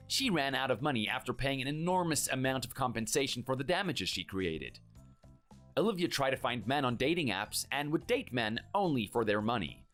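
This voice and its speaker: A man's voice: medium pitch, fairly bright tone. Man narrating as a satisfied ex-husband. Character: divorced man recounting his ex-wife's downfall. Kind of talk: scripted story narration.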